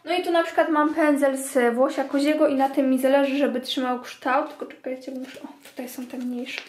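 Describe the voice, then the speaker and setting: A woman's voice: sits high, flat delivery, brisk, darkish tone, echoey room, slight background noise. A young woman chatting casually to her viewers while cleaning her bathroom and washing makeup brushes. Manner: chatty, addresses viewers as "girls". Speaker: beauty vlogger. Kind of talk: casual clean-with-me vlog narration. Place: home bathroom.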